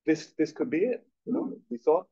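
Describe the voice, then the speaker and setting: A man's voice: a little high, very animated, normal speed, warm tone, breathy edge. A middle-aged man from Malaysia talks through his story in a chatty, self-deprecating way, often restarting his sentences. The recording sounds muffled and lo-fi. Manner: chatty, self-deprecating, many repeated starts. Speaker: guest speaker. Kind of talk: conversational interview on stage. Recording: dull lo-fi recording.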